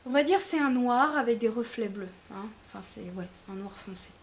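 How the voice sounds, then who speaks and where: A woman's voice: a little high, a little fast. A woman giving a casual, chatty product review, hesitating often with fillers. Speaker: beauty vlogger.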